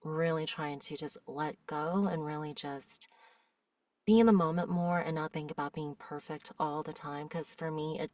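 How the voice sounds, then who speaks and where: A young American woman speaks as a guest in a relaxed interview, her voice low and her manner thoughtful and open. The sound is dry and close to the room, yet she sits slightly back from the microphone. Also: moderate pace, dry recording. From United States. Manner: reflective and candid. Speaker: voice actress guest. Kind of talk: casual interview chat. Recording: voice a bit distant from the mic.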